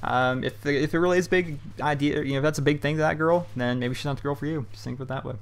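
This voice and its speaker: A man's voice: fairly high pitch, steady tone, racing, clean tone. A young man hosting a casual question-and-answer show from his bedroom, talking loosely with lots of um and you know. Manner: loose and chatty, heavy on fillers like um and you know. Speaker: YouTube host answering viewer questions. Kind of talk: casual rambling commentary. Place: his hot bedroom at home.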